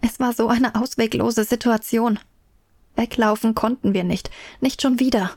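A woman playing a reflective first-person narrator in a German radio play, telling a medieval tale in measured literary style. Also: fairly high pitch, steady tone, a little mellow, dry recording, clean studio sound. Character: reflective female narrator recalling her medieval childhood. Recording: music behind the voice.

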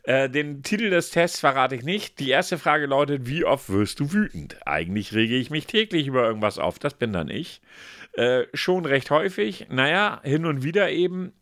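A man's voice: mid-range voice, animated, moderate pace, a bit bright, no room sound, studio quality. A man co-hosting a casual podcast, reading quiz questions and answer options aloud in a playful way. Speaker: podcast co-host.

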